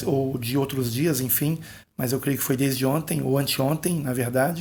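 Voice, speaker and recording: A soft-spoken man's fairly high, somewhat breathy voice with ordinary pitch variation. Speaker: pastor. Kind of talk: casual video talk on biblical prophecy. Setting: at home, recording late at night.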